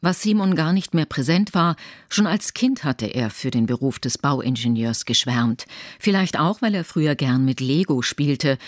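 A woman reads a scripted radio feature in an even, clear way. Her voice sounds dry and close, with no room around it. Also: sits low, dry recording. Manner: even, clear storytelling read. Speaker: reporter narrating a radio feature. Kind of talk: scripted narration.

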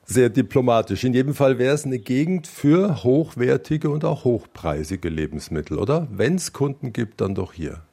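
A man's voice: mid-range voice, lively intonation, normal speed, vocal fry, few pauses, warm tone. A man hosting a radio talk interview on location, asking wry, probing questions. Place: on location by a lake.

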